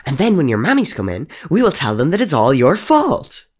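A man's voice: fairly low pitch, big pitch swings, moderate pace, gravelly, husky, full character voice. A man voicing a wicked little ghost girl in a bedsheet, speaking in a bossy, coaxing way in a storybook reading. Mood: scheming.

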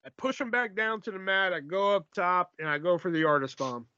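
A man's voice: high-pitched, fairly quick, clean tone, no echo. Brash, profane man on a dull podcast mic. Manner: brash, profane, shouts in frustration. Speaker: podcast co-host playing a wrestler. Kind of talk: tabletop-style wrestling role-play, casual chat. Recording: dry, dull lo-fi podcast audio.

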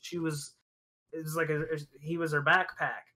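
A man's voice: on the high side, level tone, normal speed, sharp tone. A man chatting casually and informally as a co-host discussing a film, swearing freely. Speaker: podcast co-host reviewing a horror film. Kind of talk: casual chat.

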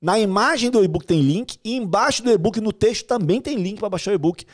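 A man hosting a live stream, slangy and animated. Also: high voice, fairly quick. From Brazil. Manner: slangy and animated, says "cara" and "bicho". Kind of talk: casual live-stream chat.

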